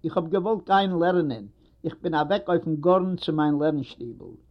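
A man voicing a shy, tender young woman who answers softly and hesitantly. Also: on the high side, lively intonation, normal speed. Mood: wistful. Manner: soft, hesitant replies. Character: young woman, shy and tender, meeting her long-lost husband. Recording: dull lo-fi recording.

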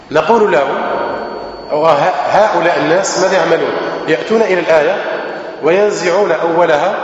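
A man gives a religious lesson, asking his listeners rhetorical questions and answering them himself. His voice sits a little high and repeats key phrases for emphasis. The recording is muffled and lo-fi, with long reverb from a large hall. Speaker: religious teacher. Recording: echoey hall, muffled lo-fi sound.

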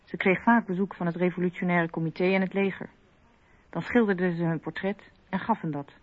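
A thin, phone-like and dry recording carries a woman acting a French noblewoman's daughter. She recounts the past in a measured, narrative way, as testimony in a radio drama. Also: fairly low pitch, fairly even intonation, no echo, close to an everyday voice. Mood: sober recollection. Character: French noblewoman's daughter, recalling her mother's dangers. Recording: thin, phone-like band-limited radio sound.

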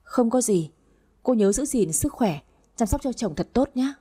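A woman voicing a calm, sympathetic wealthy man in a narrated story, speaking in a measured way. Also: on the high side, husky.

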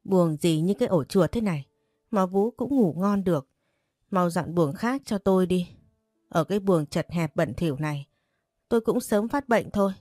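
A woman's voice: on the low side, lively intonation, normal speed, a little mellow, no room sound, clean studio sound, faint music behind. A woman voicing a spoiled, whiny young woman guest who pleads and sneers, in a storybook. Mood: sneering.

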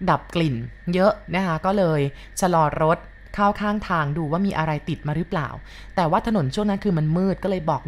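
A woman narrating a ghost story in a measured, polite retelling style. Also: fairly low pitch.

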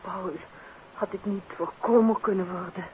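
An actress playing a detective's genteel, attentive and questioning wife in a 1950s Dutch radio drama, with a Netherlands Dutch accent. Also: female voice, medium pitch, steady tone, moderate pace, lo-fi sound, close to an everyday voice. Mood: polite, subdued. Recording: band-limited, noisy 1950s radio recording.

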